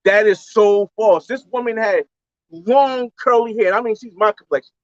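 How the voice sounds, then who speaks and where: A man's voice: high voice, normal speed, no echo, dull audio. A man from the United States, a travel vlogger, telling a story in a rambling, slangy way on a livestream and repeating his phrases.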